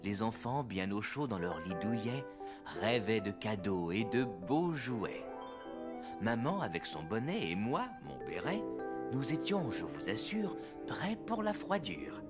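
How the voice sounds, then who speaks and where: A man playing a warm, patient father in a French-dubbed children's cartoon, expressive like a storyteller. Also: lowish voice, measured pace, loud music behind the voice. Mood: hushed, dramatic storytelling.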